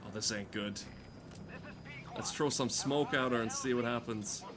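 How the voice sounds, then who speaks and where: A man's voice: mid-range voice, unhurried, music in the background. A man streaming a game with casual, rambling commentary, sardonic and given to swearing.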